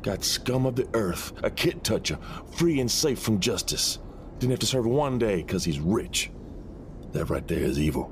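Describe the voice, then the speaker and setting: Low-voiced, accusing man. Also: very animated, moderate pace, slight background noise. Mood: disgusted, accusing. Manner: accusing, blunt. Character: morally disgusted man named Zeke confronting a demon. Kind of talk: audio drama acting.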